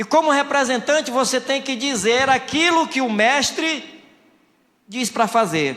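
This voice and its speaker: A man with an extremely high pitch raises and projects his voice, using ordinary pitch variation. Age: 60s. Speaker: pastor. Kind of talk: sermon. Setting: church.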